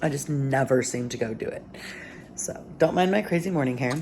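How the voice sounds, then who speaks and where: A woman's voice: a bass voice, a little fast, noisy background. A sleepy young woman chatting rambly in a home vlog, with lots of fillers, from her kitchen early in the morning. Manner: chatty and rambling, many fillers, soft-spoken at times while the baby sleeps. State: sleepy, yawning. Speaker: vlogger, mother of several children. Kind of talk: casual home vlog chat.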